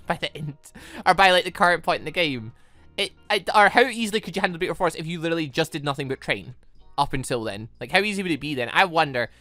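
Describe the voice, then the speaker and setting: A woman's voice: fairly low pitch, bright, forceful tone, no room sound. A woman giving casual, rambling let's play commentary on a visual novel, reacting aloud and often giggly. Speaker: gaming channel host playing a visual novel. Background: game music.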